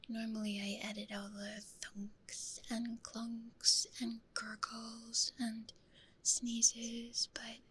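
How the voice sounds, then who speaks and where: A woman streaming ASMR in a hushed, breathy whisper, speaking gently and intimately close into a stereo microphone. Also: on the high side, completely flat delivery, drawn-out words.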